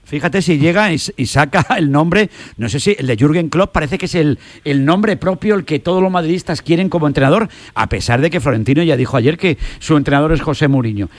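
A man's voice: a little high, brisk, a little hiss or hum. A man with an accent from Spain hosting a sports debate, exclamatory and given to repeating phrases. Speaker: sports show host. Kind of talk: lively sports talk moderation.

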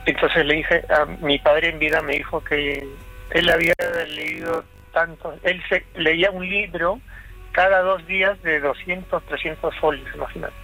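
Bright-voiced man calling a radio show. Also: on the high side, gravelly, faint music behind, rough recording. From Chile. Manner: halting, reflective storytelling. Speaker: caller. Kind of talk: telling a family story on late-night radio.

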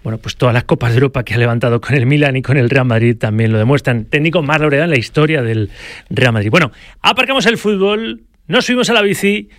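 A man hosting a radio sports show, briskly presenting segments and handing over to reporters. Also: medium pitch, fairly bright tone, no room sound, clean studio sound.

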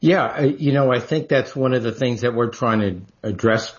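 A male radio guest who speaks in a measured, thoughtful way with frequent fillers. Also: mid-range voice, highs cut off. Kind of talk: radio discussion.

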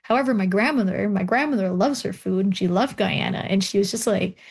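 A woman historian speaks as an interview guest, recounting family stories with animation. She talks openly and laughs easily, her voice at a middle pitch. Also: fairly quick, gravelly, breathy edge. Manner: warm, animated storytelling, laughs often.

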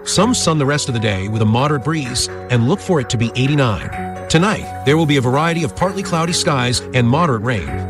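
A man reading a local weather forecast on the radio in an even, matter-of-fact way. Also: mid-range voice.

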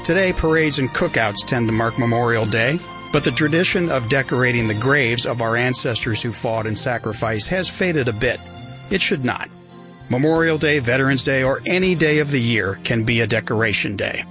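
Measured male radio commentator. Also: mid-range voice, a bit bright, faint music behind. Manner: measured, reflective delivery.

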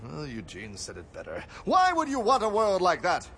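A man's voice: sits high, wildly swooping pitch, normal speed, fairly bright tone, slight background noise, heavily acted. An actor playing a pompous, self-assured male superhero who talks in an over-articulate way. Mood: skeptical. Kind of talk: comedy audio drama.

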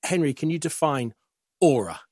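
A man's voice: on the high side, expressive, moderate pace, a little mellow, breathy edge, no echo, studio quality. A man hosting a broadcast interview, asking curious questions in a polite, conversational way. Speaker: interviewer, programme host.

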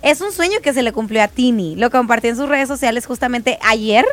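A woman's voice: fairly high pitch, a little fast, dry recording. A woman with a Mexican accent co-hosting a casual, chatty celebrity gossip show. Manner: chatty, animated, giggly. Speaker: show co-host.

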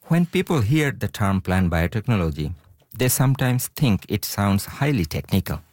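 Deep-voiced man. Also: very animated, normal speed, darkish tone, dry recording, studio quality. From Bangladesh. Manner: earnest, many "you know" fillers and restarts. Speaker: scientist, event organizer. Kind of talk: radio interview guest.

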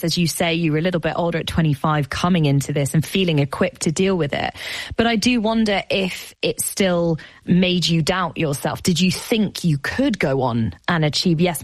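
A woman interviewer asking measured, probing questions. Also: fairly low pitch, no room sound. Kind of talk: broadcast interview.

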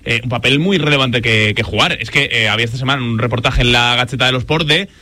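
Un hombre que comenta fútbol en la radio con un tono firme y pausado. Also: male voice, medium pitch, pushed and bright, no room sound. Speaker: football pundit. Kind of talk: radio panel discussion.

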